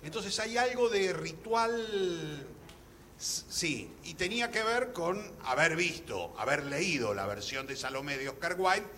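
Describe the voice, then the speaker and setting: A man's voice: fairly high pitch, expressive, unhurried, bright, forceful tone. A man with an Argentine accent speaking as a guest in a public conversation, recounting things to the room. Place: public talk room in a library. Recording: echoey hall, faint noise.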